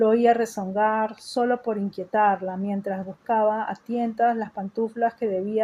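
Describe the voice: The reading aloud is plain, with intonation kept fairly even.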